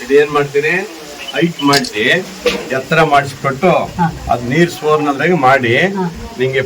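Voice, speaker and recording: A man's voice: mid-range voice, moderate pace, recorded from a distance, a crowd in the background, low-quality recording. A man, a local legislator, talks casually and reassuringly at a village house. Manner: soothing, reassuring. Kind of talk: casual on-site talk. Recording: field recording with ambient noise.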